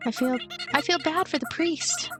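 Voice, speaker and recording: A woman voicing a timid, meek young girl in a visual novel game, speaking haltingly and hesitantly. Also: very high-pitched, wildly swooping pitch, music in the background, pitched above the performer's own voice, heavily acted. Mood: hesitant, guilty. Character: timid, dim, easily manipulated young girl, Clara.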